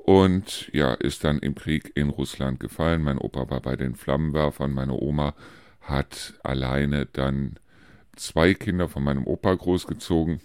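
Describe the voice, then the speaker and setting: A man's voice: extremely low pitch, a little slow, a little mellow, clean tone, dry recording, clean studio sound. A man in his fifties from Germany, hosting a casual podcast monologue, rambling and chatty with frequent hesitations. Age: 50s. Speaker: podcast host.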